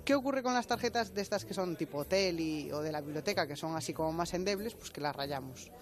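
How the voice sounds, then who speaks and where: Guy explaining stuff calmly on radio, a bit high voice. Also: fast talker.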